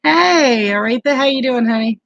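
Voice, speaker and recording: Hosting a live stream, this keto vlogger from the American South, in her forties, greets viewers by name and calms a grandbaby as she chats. She has a high, somewhat bright, gravelly voice, animated at a normal speed. The audio is dry and lo-fi.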